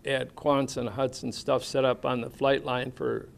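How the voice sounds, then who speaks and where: A man's voice: mid-range voice, little pitch movement, a little slow, creaky. An older American man, a military veteran, recalling his years overseas in a rambling, plainspoken way with folksy grammar and many fillers. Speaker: veteran interviewee. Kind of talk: oral history interview, casual recollection.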